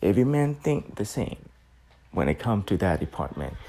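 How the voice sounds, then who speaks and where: A man talks at a moderate pace with a dark, mellow tone and vocal fry. His pitch swings very widely. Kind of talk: casual talk to camera. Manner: unpolished, unscripted delivery.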